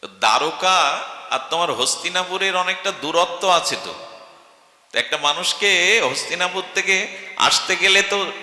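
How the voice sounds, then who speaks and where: A Bengali man delivers a devotional sermon in a sharp, high-sitting voice, unhurried and full of pauses. He tells stories with drama and poses rhetorical questions. The hall is echoey, with long reverb.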